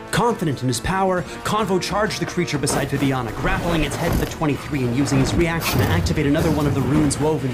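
A man narrating a horror fantasy game as game master, in a solemn, suspenseful, dramatic style. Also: on the high side. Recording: loud music bed. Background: music.

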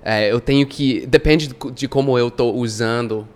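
A man with a Brazilian Portuguese accent and an ordinary mid-range voice. He chats casually as an online English teacher, often pausing and restarting his sentences. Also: mid-range voice. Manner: hesitant, with restarts and light laughter. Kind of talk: casual chat.

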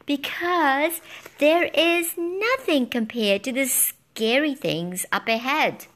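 A cheeky male bird from a children's story, played by a woman, chirping doom-laden teases. The voice bounces lively between high and low. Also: takes it slowly, exaggerated voice. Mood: teasing. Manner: chirpy, mocking. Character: teasing male bird guide, gloomy jokes.

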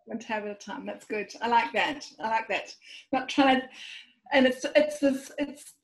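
A woman's voice: fairly high pitch, moderate pace, poor audio. Reflective woman thinking aloud. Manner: open, thinks aloud, hesitant fillers. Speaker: coaching client. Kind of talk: reflective conversation.

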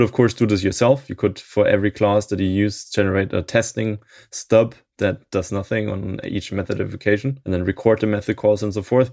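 A man who maintains a software library, explaining it in casual conversation and laughing often between points. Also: low voice, gravelly. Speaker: open source library maintainer, guest.

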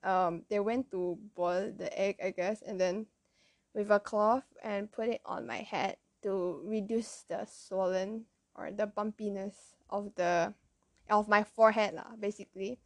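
A young woman tells a story in a loose, rambling way, full of filler words. Her voice sits at a medium pitch. The sound is dry and close, with no room echo. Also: fairly even intonation, a little slow. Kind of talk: casual storytelling.

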